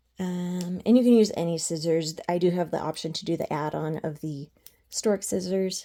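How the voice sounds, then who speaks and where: On a very clean recording with a silent background, a woman speaks at a moderate pace in a dark, mellow tone, with fairly low pitch and fairly even intonation. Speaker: embroidery teacher. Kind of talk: tutorial. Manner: casual, chatty with fillers.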